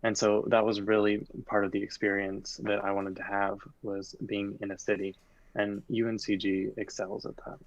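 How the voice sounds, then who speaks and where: Young guy from western north carolina, low flat voice, dry muffled call sound. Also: moderate pace, no echo. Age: young adult. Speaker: student panelist. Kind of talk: casual Q&A answers.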